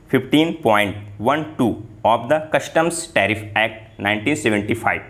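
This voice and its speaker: A man dictating formal legal text for shorthand practice, reading it out in deliberate, separated phrases. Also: mid-range voice, fairly bright tone.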